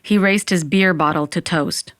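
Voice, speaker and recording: A woman's voice: fairly low pitch, normal speed, a bit bright, no room sound, lightly acted. A woman playing a wry Latina narrator who tells her own story in an audio fiction podcast. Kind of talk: scripted first-person narration.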